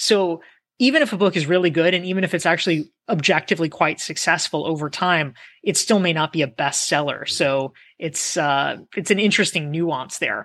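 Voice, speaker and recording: At a moderate pace, a woman with an ordinary speaking voice and a fairly low pitch speaks with ordinary pitch variation over a quiet background. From US South, North Carolina. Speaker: author and business coach. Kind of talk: interview.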